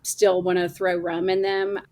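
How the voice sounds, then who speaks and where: A woman's voice: on the low side, little pitch movement, a little slow, a crowd in the background. A middle-aged woman with an Oklahoma accent, a guest chatting in bursts about her work as a coach. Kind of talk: casual chat.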